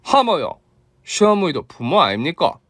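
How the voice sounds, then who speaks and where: A man voicing a generous, lively young daughter-in-law with a Gyeongsang dialect, earnest and teasing. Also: on the high side, normal speed, no room sound, clean studio sound. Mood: eager.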